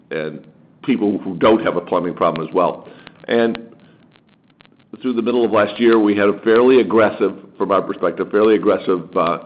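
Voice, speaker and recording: A man speaking as a company executive on an earnings call, answering in a halting, rambling way with frequent restarts. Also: low-pitched. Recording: muffled, lo-fi conference call with faint noise.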